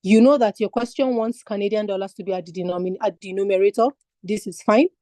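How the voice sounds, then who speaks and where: Dark-voiced woman tutoring online. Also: medium pitch, fairly even intonation, fast talker, no room sound, clean studio sound. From Nigeria. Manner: patient step-by-step explaining with rhetorical questions. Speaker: finance exam tutor. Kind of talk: online lecture.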